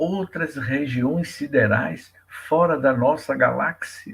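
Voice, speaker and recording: At a very slow pace, a man speaks with vocal fry, a fairly high pitch, and lively intonation. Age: 60s. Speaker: spiritist lecturer. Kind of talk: spiritual lecture.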